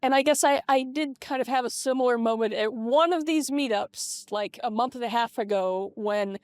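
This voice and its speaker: A young adult woman talking casually and confessionally in a vlog through a voice changer, in a hesitant, halting way with repeated words. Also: a little high, clear, resonant tone, no echo, clean studio sound. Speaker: vlogger. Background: soft lo-fi video game music.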